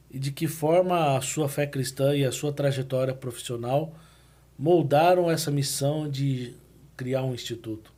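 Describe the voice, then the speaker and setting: A man's voice: medium pitch, warm tone. A Brazilian man hosting a podcast, putting questions to his guest in a conversational style. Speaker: podcast host, interviewer.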